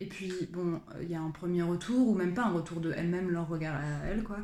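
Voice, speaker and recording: The speech moves at a very fast pace. Noticeable background noise runs underneath it. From western France, near Nantes. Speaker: author and singer. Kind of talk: casual interview. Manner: halting.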